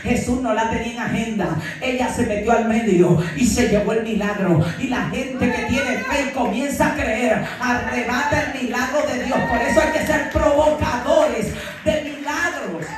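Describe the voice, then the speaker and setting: A woman's voice: fairly high pitch, moderate pace, few pauses, music in the background. Fervent woman preacher in an echoey hall. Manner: fervent, often shouting, tells stories with acted dialogue. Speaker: pastor. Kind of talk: sermon. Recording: very echoey hall, voice far from mic.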